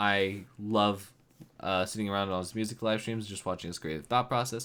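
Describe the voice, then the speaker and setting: On a very clean recording with a silent background, a soft-spoken man talks at a fairly quick pace. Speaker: music composer. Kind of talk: casual commentary. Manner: quiet, soft-spoken; hesitant, many fillers.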